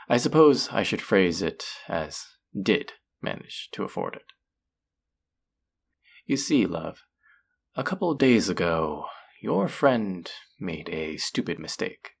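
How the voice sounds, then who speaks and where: A man voicing a flirty, possessive demon casino worker in a roleplay audio drama, teasing and taunting with seductive, drawn-out phrasing. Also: on the low side, vocal fry, heavily acted. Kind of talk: scripted roleplay audio drama addressed to the listener.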